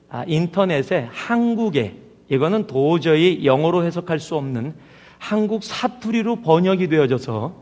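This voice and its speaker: A man from Chungcheong Province preaches in a conversational way, turning to the congregation with questions. His voice sits fairly high for a man. The sound carries a long reverb from a large church hall. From Chungcheong Province, Korea. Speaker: pastor. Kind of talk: sermon. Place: church sanctuary.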